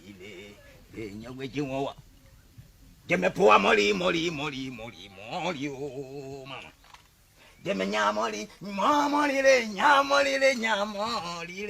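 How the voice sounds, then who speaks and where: An actor playing a cheerful village sorcerer who chants and laughs theatrically. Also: male voice, medium pitch, wildly swooping pitch, measured pace, sharp tone, heavily acted. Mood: chanting. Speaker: comedy sketch actor. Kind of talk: village comedy sketch acting.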